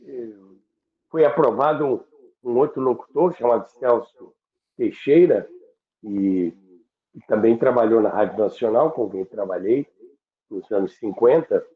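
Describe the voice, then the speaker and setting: The sound is muffled like a phone line, with noticeable room echo. An older man talks at a middling pitch. He reminisces conversationally, halting and repeating words as he goes. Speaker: radio veteran and program host. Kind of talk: reminiscing conversation about radio history.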